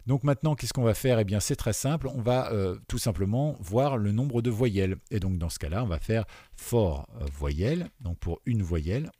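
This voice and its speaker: A man with a low, mellow voice walks beginners through a coding exercise, pausing with fillers and asking if they follow. His voice goes quieter as he types. The sound is dry and close, with keyboard clicks behind. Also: expressive, no room sound. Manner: explains step by step, often checks in with "d'accord?"; many fillers, trails off quieter while typing. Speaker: programming teacher. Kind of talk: screen-recorded coding tutorial. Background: keyboard typing.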